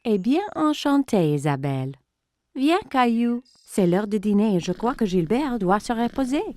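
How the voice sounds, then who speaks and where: A woman playing a kindly, indulgent grown-up in a children's cartoon, gently instructing a child. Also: on the high side, sing-song, normal speed. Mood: amused, kindly.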